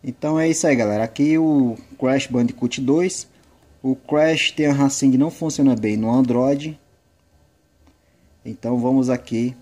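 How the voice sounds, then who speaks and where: A man's voice: mid-range voice, a little slow, a little hiss or hum. A man with a Brazilian accent giving casual, rambling gameplay commentary. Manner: rambling, conversational. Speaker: gaming video creator. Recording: loud game music behind.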